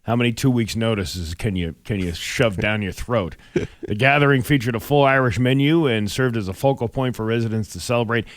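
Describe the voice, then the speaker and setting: A man's voice: mid-range voice, brisk, no echo. A man co-hosting a morning radio show with casual banter, in a studio.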